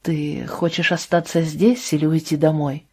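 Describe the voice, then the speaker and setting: A woman reading an audiobook, voicing a calm, patient young man who speaks low, restrained and soft. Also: normal speed, slightly rough.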